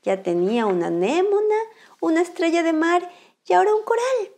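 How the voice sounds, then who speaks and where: High, sing-song woman storyteller for children. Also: very animated, fairly quick. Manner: bright sing-song, exaggerated welcome to children. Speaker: children's storyteller, channel host. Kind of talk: expressive read-aloud of a picture book for children.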